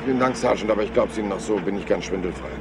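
An actor playing a polite, slyly persistent police inspector in a German crime radio play, hesitant and deceptively casual. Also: male voice, on the low side, very fast, background noise, natural voice. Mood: casually curious.

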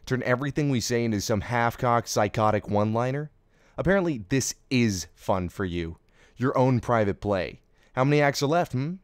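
A man's voice: medium pitch, lively intonation, moderate pace, no echo, clean studio sound, close to an everyday voice. A man playing a bitter, sardonic, taunting character in an audio drama. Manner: sarcastic, taunting. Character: sardonic, bitter, foul-mouthed man goading a villain. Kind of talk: anime fan audio drama acting.

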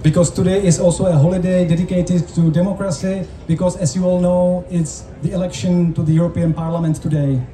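A man with a Czech accent interpreting formally and in measured phrases as a host on an open-air festival stage. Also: sits high, level tone, warm tone. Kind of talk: live consecutive interpreting at a public event. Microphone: handheld mic through PA, recorded from audience. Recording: roomy, distant stage PA sound with noise.

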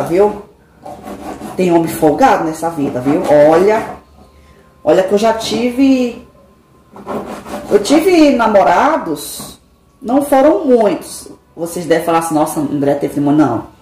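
A middle-aged woman, chatting casually and confidingly to her viewers from her home kitchen, with dramatic sighs. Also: on the low side. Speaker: vlogger. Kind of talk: casual chat. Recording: echoey kitchen with noise.

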